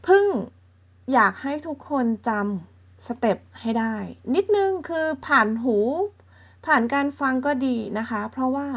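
An animated woman with a high voice leads a language class for beginners, explaining things patiently one step at a time. She speaks slowly and keeps checking in with her listeners through softening particles.

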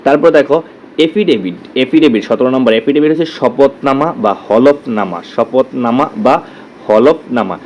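A man's voice: medium pitch, a little mellow, lo-fi sound, slight background noise. Bangladeshi man teaching exam vocabulary. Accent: Bangladeshi Bengali. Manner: drills terms, repeats words slowly, asks "clear?". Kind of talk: exam-prep lesson.

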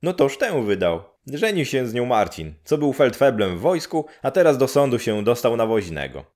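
A man's voice: medium pitch, sing-song, moderate pace, a little mellow, voice pushed up, natural voice. A man voicing a suspicious, gossiping old village woman, in a raised, chattering peasant voice in a storybook reading. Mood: eager.

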